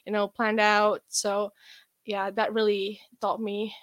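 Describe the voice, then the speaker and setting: A woman's voice: medium pitch, slow pace, dry recording. Young Estonian woman, dry close sound. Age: young adult. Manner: relaxed, rambling, frequent fillers. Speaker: guest athlete. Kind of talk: casual interview chat.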